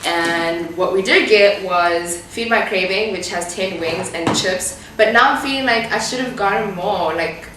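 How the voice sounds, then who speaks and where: A woman's voice: medium pitch, a little slow, few pauses. A young woman hosting a casual vlog, chatty and giggly. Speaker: vlogger host. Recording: noisy handheld vlog audio.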